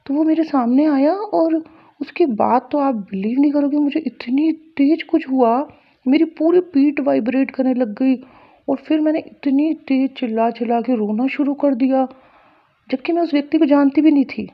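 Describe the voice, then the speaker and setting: A woman's voice: high voice, normal speed, highs cut off. A woman earnestly recounting a personal spiritual experience to her viewers, repeating phrases as she relives it. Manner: earnest, repetitive, intense retelling. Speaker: spiritual storyteller. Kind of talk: personal story told to viewers.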